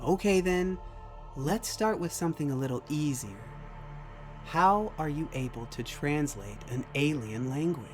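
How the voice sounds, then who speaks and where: A man's voice: on the high side, animated, measured pace, soft background music, pitched above the performer's own voice. A man voicing a young female doctor in an audio story, casual, inquisitive and puzzled. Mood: curious.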